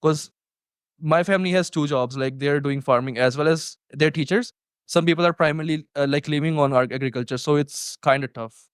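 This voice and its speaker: A man's voice: fairly high pitch, fairly quick, clean tone, no echo. Young male student, hesitant casual answers, very dry, clean voice. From Punjab, India. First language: Punjabi. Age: young adult. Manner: hesitant, many fillers and restarts. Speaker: student interviewee.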